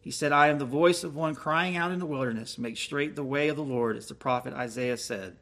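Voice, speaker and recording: A man's voice: mid-range voice, fairly quick, vocal fry, fairly bright tone. A man preaching a sermon, reading scripture aloud and explaining it with questions to his listeners. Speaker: pastor.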